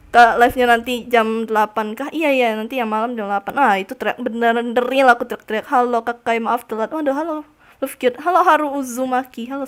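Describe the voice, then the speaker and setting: A high-pitched young woman commentates a live game stream. She talks casually to her chat, squeals and shrieks when startled, and taunts the enemies in a mock-tough voice.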